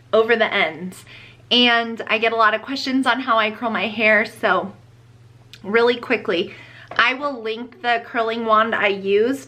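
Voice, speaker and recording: A woman's voice: medium pitch, bright, forceful tone. A young adult woman chatting casually through her makeup and hair routine, her voice nasal from a cold. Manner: chatty, explaining steps with fillers. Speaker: beauty vlogger. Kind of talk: casual get-ready-with-me chat.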